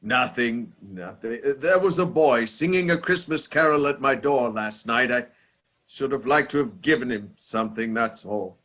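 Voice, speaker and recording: An actor in a radio play voicing a miserly old man softened by memories, hesitant and full of feeling. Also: medium pitch, moderate pace, close to an everyday voice. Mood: wistful regret. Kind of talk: dramatic radio play acting.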